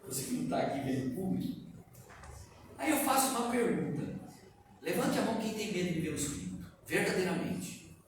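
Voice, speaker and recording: A Brazilian man with a fairly high voice lectures a live audience in an animated way, firing questions at them and chuckling as he goes. He sounds far from the mic, and the hall echoes heavily around him. Steady background noise sits under his voice. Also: fairly quick, long pauses. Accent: Brazilian Portuguese. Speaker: spiritist lecturer and medium.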